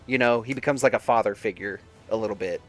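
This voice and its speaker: A man giving informal, halting, sometimes profane commentary while livestreaming a video game. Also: fairly low pitch. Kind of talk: casual gameplay commentary with lore asides. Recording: game music behind the voice. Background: video game music and sound.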